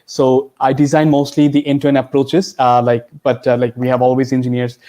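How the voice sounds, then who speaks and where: A man speaking as a guest tech expert, explaining informally and haltingly with many filler words. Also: medium pitch, monotone, warm tone. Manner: halting, peppers sentences with "like". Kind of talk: informal question-and-answer explanation.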